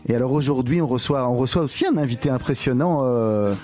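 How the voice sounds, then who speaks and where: A man's voice: mid-range voice, quick pace, darkish tone. A man hosting a conversational radio interview show.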